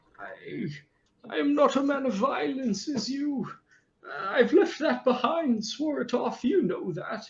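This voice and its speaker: A man mumbles in a put-on character voice at an extremely high pitch. His pace is fairly slow. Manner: mumbling, muttered.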